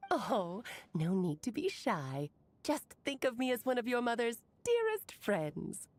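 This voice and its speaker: A grand, eloquent mage. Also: female voice, on the high side, very animated, a little slow, a little mellow, full character voice. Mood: gracious. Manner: eloquent, dramatic. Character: grand, theatrical woman mage, warm and self-assured. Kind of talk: video game voice acting.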